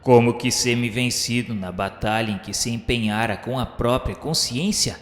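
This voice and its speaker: A man's voice: medium pitch, moderate pace. A man narrating a scripted radio drama in a formal, literary manner. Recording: echoing long reverb, music underneath.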